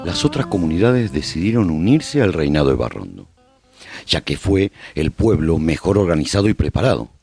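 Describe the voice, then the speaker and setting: A man's voice: low voice, very animated, normal speed, vocal fry, darkish tone, faint music behind, exaggerated voice. A man playing a survivor who hosts a radio broadcast, narrating a post-apocalyptic chronicle as a scripted radio serial. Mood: solemn, proud.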